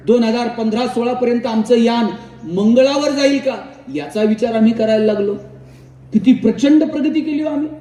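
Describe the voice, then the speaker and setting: High-pitched male motivational speaker, mellow dark tone, storytelling oratory, distant roomy hall sound. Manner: oratorical storyteller, builds lists and punchlines. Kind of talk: public motivational speech with anecdotes. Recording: echoey hall recorded from far off, faint ambience.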